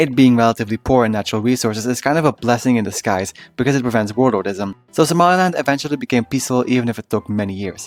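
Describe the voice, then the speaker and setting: Over background music, a man with a non-native accent and a medium pitch talks at a very fast pace with ordinary pitch variation, the sound dry and close with no echo. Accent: noticeable non-native. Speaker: video essayist. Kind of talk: educational history video essay narration.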